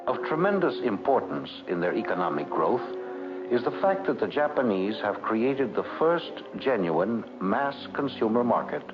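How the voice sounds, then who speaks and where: A man narrating a scripted 1960s educational documentary in a measured, formal delivery. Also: lowish voice, very animated. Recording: dull vintage 1960s film soundtrack. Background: background music.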